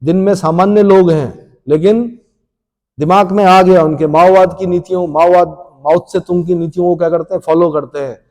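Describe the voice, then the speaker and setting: A man's voice: high-pitched, fairly even intonation, normal speed, a little mellow. A man teaching a classroom lecture at a coaching institute, often repeating points and drilling questions back to his students. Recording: long hall reverb.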